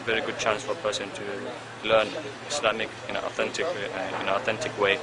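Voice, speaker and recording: A man's voice: lowish voice, flat delivery, brisk, over a noisy crowd, poor audio. A young man who grew up in Sweden, speaking as a university student in a hesitant testimonial full of "uh" fillers, recorded outdoors by a street. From Somalia, raised in Sweden. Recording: outdoor traffic noise.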